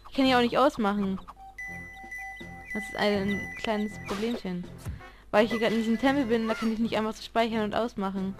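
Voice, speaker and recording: A woman's voice: mid-range voice, fairly even intonation, fairly quick, music in the background, low-quality recording. A woman giving casual, chatty gameplay commentary, swearing at the game as she plays. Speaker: let's player.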